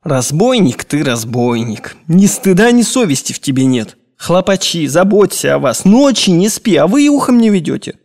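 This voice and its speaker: A fussy old gentleman, a tyrant and hypochondriac, as a male audiobook reader puts him on, nagging and scolding in a raised, lively voice that swoops up in outrage. His manner is theatrical and bullying. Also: a little high, slow, pitched above the performer's own voice, exaggerated voice. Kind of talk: audiobook character reading.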